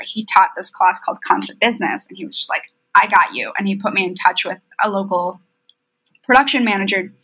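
A woman's voice: mid-range voice, low-quality recording. A woman in her thirties from Romania, a tour manager, telling stories as an interview guest. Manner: storytelling, quotes others with lively asides. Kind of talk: casual interview chat. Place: remote call from home.

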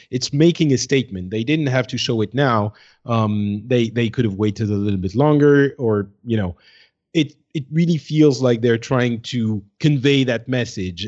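A man co-hosting a gaming podcast, explaining in a casual, somewhat halting way on a slightly dull recording. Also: mid-range voice, darkish tone. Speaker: podcast co-host.

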